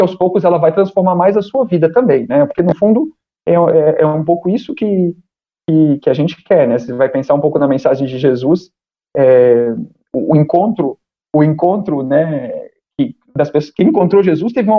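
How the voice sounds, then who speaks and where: A man, speaking as a podcast guest, thinking aloud with frequent pauses and fillers. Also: on the high side. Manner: thoughtful, hesitant, many fillers. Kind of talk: casual conversation. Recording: dull lo-fi sound.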